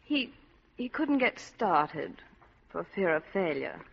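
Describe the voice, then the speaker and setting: A woman's voice: lowish voice, big pitch swings, slow, gravelly, husky, heavily acted. A woman playing a flirtatious, scheming wealthy wife with a coy, teasing manner in a vintage radio drama. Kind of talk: 1940s radio acting. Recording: muffled old radio broadcast with music.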